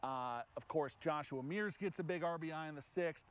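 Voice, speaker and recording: An American man hosting a casual sports chat, repeating himself and pausing as he finds his phrasing. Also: on the high side, smooth. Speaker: sports director, show host.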